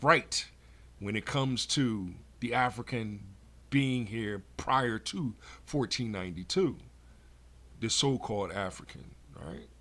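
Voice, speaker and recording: In an American accent, a man speaks at a medium pitch with ordinary pitch variation. His pace is fairly slow with long, frequent pauses, on a very clean recording with a silent background. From United States. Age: 50s. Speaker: vlogger and rapper. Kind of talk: casual monologue. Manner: halting, many repetitions.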